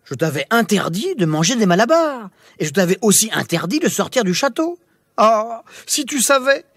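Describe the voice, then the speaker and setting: A man's voice: very animated, fairly bright tone, no echo, clean studio sound, full character voice. A man playing a frantic pleading king. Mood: scolding. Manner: high, hurried pleading. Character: frightened male king, pleading and weepy.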